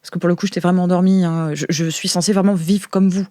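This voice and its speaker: A woman playing a flustered insider guide in an improvised audio role-play, explaining things in a halting, hesitant way. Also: fairly low pitch, fairly even intonation, warm tone, dry recording, clean studio sound, lightly acted. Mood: earnest. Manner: hesitant, halting, searching for words.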